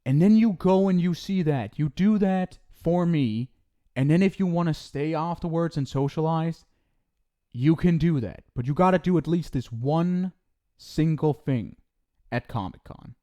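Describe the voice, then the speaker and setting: A young man talks softly in an ASMR roleplay, scolding the listener with teasing affection. His delivery is slow and unhurried. His tone is warm and mellow. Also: on the high side, muffled recording.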